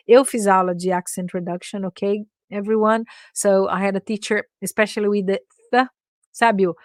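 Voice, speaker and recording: Brazilian woman with an accent as a chatty bilingual English teacher, mid-pitched voice, dry close sound. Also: dry recording. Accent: Brazilian Portuguese. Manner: mixes Portuguese and English, frequent "né?" and "ok?" tags. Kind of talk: casual online English lesson.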